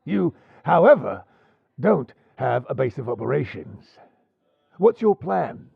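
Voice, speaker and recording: A man playing a wary, gruff pirate overlord in an audio drama, gravelly and husky, with a sardonic drawl. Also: medium pitch, sing-song, slow pace, no room sound, dull audio, exaggerated voice. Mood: dryly amused. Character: wary, gruff male pirate overlord, dryly amused and menacing. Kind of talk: audio roleplay acting.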